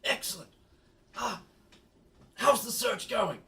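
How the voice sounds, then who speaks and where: A man's voice: sits high, sing-song, slow pace, vocal fry, pushed and bright, pitched above the performer's own voice, heavily acted. A man voicing a flustered museum director trapped in his office, polite and a little bumbling. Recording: roomy, distant mic.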